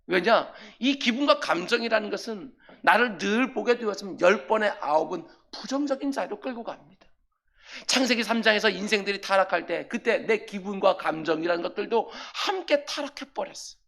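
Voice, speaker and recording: A middle-aged male pastor preaching a sermon, building to loud, emphatic commands as he acts out scripture lines. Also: high-pitched, animated, a little fast, gravelly.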